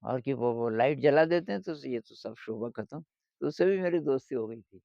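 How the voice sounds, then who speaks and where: Older man, gravelly, unhurried reflective storyteller, dry lo-fi sound. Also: medium pitch, expressive, a little mellow, dry recording. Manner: unhurried, repeats words for effect. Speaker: interviewee telling his life story. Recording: dry, slightly dull lo-fi audio.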